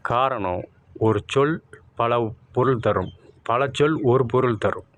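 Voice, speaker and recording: A man's voice: on the low side, a bit bright. A man giving a talk on spiritual meanings of words, explaining patiently and repeating key phrases. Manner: repetitive, explains word sounds and meanings. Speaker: spiritual speaker.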